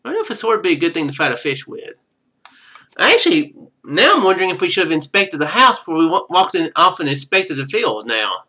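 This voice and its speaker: A man with a bright, fairly high voice plays a game for a live stream. He reads the on-screen narration aloud with very animated pitch, then drops into casual commentary with wry, sarcastic asides. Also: fast talker.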